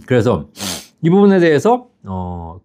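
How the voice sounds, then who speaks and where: A man in his fifties hosts a live pension advice stream, reading viewer questions aloud and answering them chattily. His warm, mid-range voice swings hugely in pitch and moves slowly, and he laughs at his own stories while often checking "right?" with the audience.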